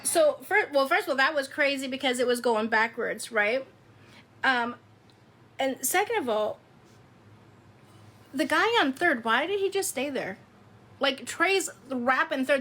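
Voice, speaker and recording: Loud chatty woman in her fifties. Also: high-pitched. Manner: chatty, loud, laughing often. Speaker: live streamer. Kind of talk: casual chat with viewers.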